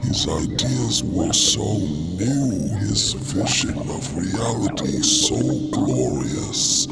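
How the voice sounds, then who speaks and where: Slow, gravelly, weary alien creature. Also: male voice, low-pitched, expressive, full character voice. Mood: reverent, wistful. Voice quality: gravelly, breathy at times. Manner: slow, halting, ornate, solemn. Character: ailing insectoid alien disciple, weary, grandiose, wistful. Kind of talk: audio fiction character acting. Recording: loud music under the voice.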